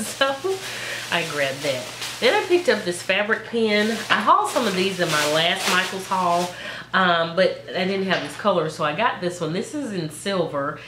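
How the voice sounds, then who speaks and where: A woman with a stuffy cold, chatting casually through a craft store haul and excitedly listing prices. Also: deep voice. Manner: chatty, lists prices excitedly, trails off into fillers. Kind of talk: casual haul video chat. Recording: echoey room with faint noise.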